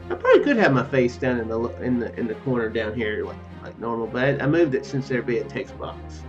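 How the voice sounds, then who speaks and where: A man's voice: mid-range voice, big pitch swings, fast talker. A man giving casual, rambling let's-play commentary, hesitating and repeating his words as he goes. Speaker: let's-play video host. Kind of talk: casual gameplay commentary mixed with reading dialogue aloud. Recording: dull lo-fi mic with faint music.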